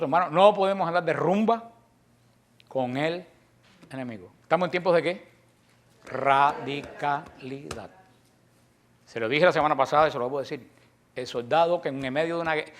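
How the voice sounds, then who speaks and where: A man with a Cuban accent preaching a combative sermon, full of rhetorical questions to his listeners. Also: a little high. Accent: Cuban Spanish. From Cuba.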